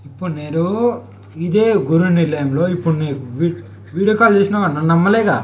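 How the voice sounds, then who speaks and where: A woman's voice: fairly low pitch, a little fast. A woman talks informally on a private phone call. The recording is echoey, with faint noise behind her voice.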